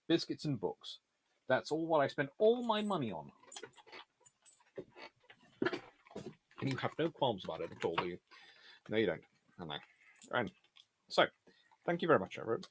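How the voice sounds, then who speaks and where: A man hosting a casual live question-and-answer stream on naval history, chatty and animated, talking in a stop-start way with trailing asides. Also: medium pitch, slight background noise. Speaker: livestream host answering viewer questions.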